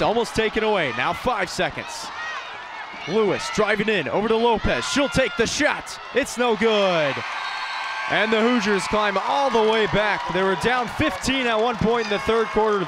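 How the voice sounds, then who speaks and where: A young American man doing live play-by-play sports commentary, projecting with urgency. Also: high-pitched. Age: young adult, about 20. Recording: loud crowd noise from the arena. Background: sports crowd and game ambience.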